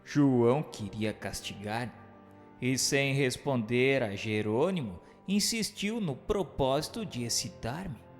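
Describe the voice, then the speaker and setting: An actor narrating a radio drama as a reflective novelist, in a formal, literary and measured way. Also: male voice, medium pitch, expressive. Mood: sombre. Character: male first-person narrator, a reflective doomed Portuguese novelist. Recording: long reverb, faint music behind.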